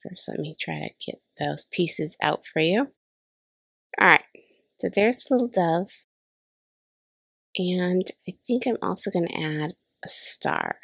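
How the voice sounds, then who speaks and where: Woman in her thirties, host of a crafting tutorial voice-over; slightly nasal from a cold, low-pitched and gravelly, dry close recording. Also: animated, unhurried, long pauses, fairly bright tone, dry recording. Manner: chatty, self-deprecating about mistakes. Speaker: card-making channel host. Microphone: voice-over recorded separately.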